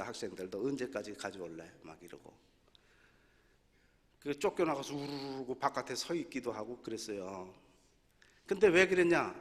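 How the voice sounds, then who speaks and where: Older guy preaching in church, super animated, laughs a lot, big echo. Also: medium pitch. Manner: animated storytelling with laughs and mimicked voices. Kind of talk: sermon. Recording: long hall reverb.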